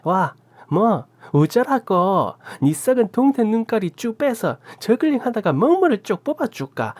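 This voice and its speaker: A woman's voice: sits low, huge pitch swings, breathy edge, pitched above the performer's own voice, exaggerated voice. A woman voicing a tiny, hunched old aunt with a Gyeongsang accent who scolds and curses fiercely. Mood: ranting. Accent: Gyeongsang Korean. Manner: scolding, cursing, drawn-out shouts.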